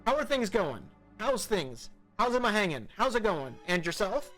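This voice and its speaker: Male narrator as manic young prankster in an audio story: high, erratic, rambling, mock-playful. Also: sing-song, moderate pace, pushed and bright, soft background music, exaggerated voice. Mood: gleeful, rambling. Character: manic, taunting, unhinged young man on the phone.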